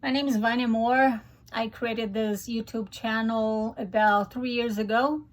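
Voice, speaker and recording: A middle-aged Brazilian YouTuber, a native Portuguese speaker, talks earnestly to camera in English with a Brazilian Portuguese accent. Her fairly high voice is steady in tone and a little slow, with hesitant restarts.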